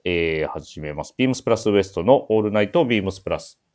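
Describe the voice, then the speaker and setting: Very low-voiced male radio host. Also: expressive, racing, darkish tone. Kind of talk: casual radio chat, hosting with guests.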